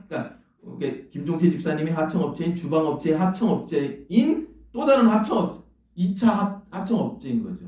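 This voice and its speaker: A man's voice: fairly high pitch, mellow. A male pastor preaching a sermon, telling a story with earnest emotion and quoting God's scolding questions. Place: church sanctuary. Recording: echoey church hall, mic at a distance.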